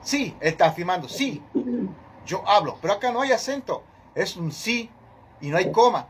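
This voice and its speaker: A man's voice: sits high, very animated, a little fast, slightly rough. A man leading a Bible study, teaching emphatically and questioning his listeners directly.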